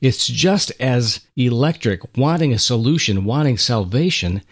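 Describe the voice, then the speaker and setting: A man co-hosting a Christian radio broadcast, reading a dramatic story and talking in a measured, earnest way. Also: mid-range voice, animated. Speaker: radio ministry co-host.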